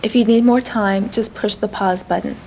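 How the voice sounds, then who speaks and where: A woman narrating an English lesson in a clear, measured teacher's delivery. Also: medium pitch, fairly even intonation, darkish tone, a little hiss or hum, rough recording. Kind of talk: scripted instructional narration.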